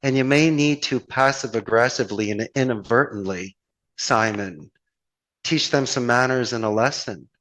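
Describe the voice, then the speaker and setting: A man's voice: mid-range voice, normal speed, fairly bright tone, low-quality recording. Philadelphia man in earnest motivational conversation. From Philadelphia, United States. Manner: earnest, flowery, motivational talk full of rhetorical questions. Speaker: podcast guest, call center owner. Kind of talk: conversational podcast interview, motivational anecdotes.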